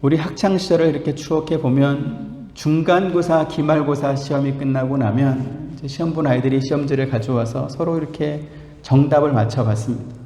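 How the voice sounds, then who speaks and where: A man preaching a sermon as pastor, rising to loud, fervent emphasis on key points. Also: on the high side, steady tone, a little fast. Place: church sanctuary. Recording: echoey church hall with long reverb.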